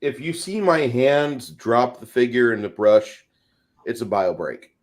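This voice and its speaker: Casual man, medium pitch. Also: unhurried. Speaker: panelist, game master. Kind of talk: casual chat.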